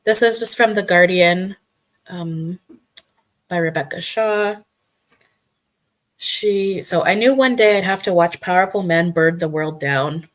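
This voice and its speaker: A woman with a slightly low, croaky voice chats with a co-host and greets viewers on a livestream. She laughs easily and keeps a loose, casual tone. Now and then she reads an article aloud. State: croaky voice with a cough. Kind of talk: casual chat.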